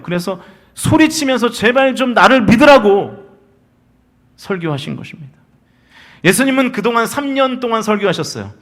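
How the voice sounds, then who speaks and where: Preaching on a Sunday in the church sanctuary, this senior pastor, a man in his forties, has a voice that sits high. He shifts back and forth from forceful, loud appeals to quiet passages of storytelling.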